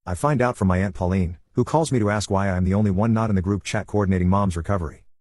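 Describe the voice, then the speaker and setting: Husky man narrating in a low, dry voice. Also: quick pace, darkish tone, dry recording. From United States. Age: 30s. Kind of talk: scripted first-person storytelling.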